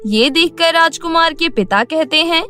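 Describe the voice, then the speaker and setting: A woman's voice: very high voice, animated, normal speed, bright, forceful tone. A woman narrating a scripted children's cartoon story. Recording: music bed behind the voice.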